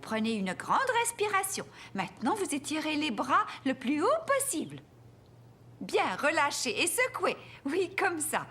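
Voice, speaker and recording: An actress playing a caring, lively grandmother in a children's cartoon, upbeat and gently instructive. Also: high-pitched, a little slow, exaggerated voice. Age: older. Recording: music behind the voice.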